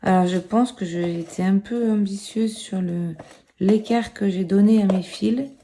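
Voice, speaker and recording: A woman's voice: medium pitch, measured pace, warm tone. A woman hosting a crafts tutorial, chatty and playful, mocking herself, swearing casually and counting knots aloud as she works. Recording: roomy echo.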